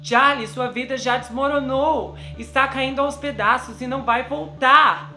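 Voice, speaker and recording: A woman's voice: sits high, measured pace, pushed and bright. A woman voicing a female nurse who presses and pleads with a friend. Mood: pleading. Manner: urgent, insistent. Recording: roomy with background music.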